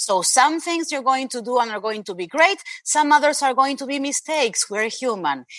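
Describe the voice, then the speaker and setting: In an Argentine accent, a woman uses a bright, sharp tone and very wide pitch swings, with a dry, close sound with no echo. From Argentina. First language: Spanish. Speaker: journalist and author. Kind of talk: interview.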